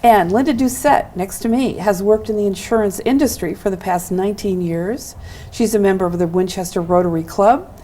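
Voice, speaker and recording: A woman's voice: medium pitch, normal speed, dark tone, a little hiss or hum. A woman hosting a local access television show, introducing guests and asking them encouraging questions. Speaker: host.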